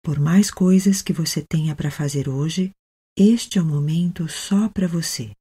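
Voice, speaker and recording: Brazilian woman, meditation guide. Mellow, husky voice, gentle and unhurried delivery. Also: low-pitched. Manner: gentle, unhurried, with long pauses. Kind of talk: guided meditation, soothing narration.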